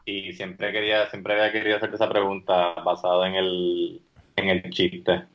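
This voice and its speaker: A man with a Puerto Rican accent hosting a podcast, chatting in a relaxed way. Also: low-pitched, normal speed, dull audio, a little hiss or hum. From Puerto Rico. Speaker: podcast host. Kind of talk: casual podcast chat.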